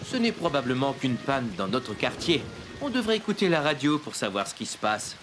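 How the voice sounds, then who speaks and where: A cheerful cartoon father acted by a man, with a hugely animated, swooping delivery. He is gentle, patient and reassuring, explaining things simply over clear music. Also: mid-range voice, normal speed, close to an everyday voice. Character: cheerful, reassuring young dad in a children's cartoon. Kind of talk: French children's cartoon dubbing. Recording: music behind the voice.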